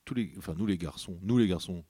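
A man hosting a casual podcast interview, teasing his guest and chiming in with quick replies. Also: low-pitched, dark tone, breathy edge, no room sound. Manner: teasing, quick backchannels and jokes. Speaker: podcast host.

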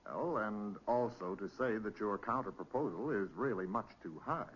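A man's voice: fairly low pitch, normal speed, natural voice. An actor playing a polite, fussy businessman with formal, insincere courtesy in a 1940s radio crime drama. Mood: unctuous. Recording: dull, noisy old radio recording.

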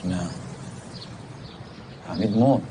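An actor playing a needling, low-voiced man. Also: lightly acted. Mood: flat. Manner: flat, needling, then defensive. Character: man teasing a grieving woman he knew. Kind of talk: film dialogue. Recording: film audio with clear outdoor noise.

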